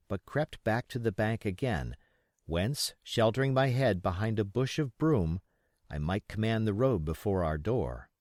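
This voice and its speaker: A man's voice: lowish voice, a little mellow, no room sound, studio quality. A man reading an adventure novel as an audiobook narrator, in scripted storytelling style.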